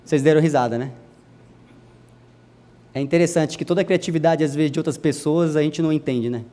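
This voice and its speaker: A young adult man preaching a sermon to a congregation, speaking to them directly and swinging his voice from soft to loud. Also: fairly quick. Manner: addresses the congregation directly, wide swings in pitch and loudness.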